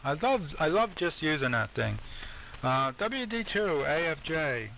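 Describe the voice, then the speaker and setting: An American man, middle-aged or older, chatting casually and haltingly as an amateur radio operator over an AM shortwave link. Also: fairly high pitch, vocal fry, lo-fi sound. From United States. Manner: rambling, halting. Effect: AM shortwave radio transmission. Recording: noisy, band-limited AM shortwave radio. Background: steady radio noise.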